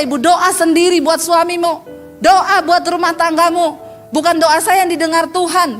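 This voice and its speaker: A woman pastor preaching a sermon, blunt and scolding, mocking her listeners and breaking into sudden high outbursts.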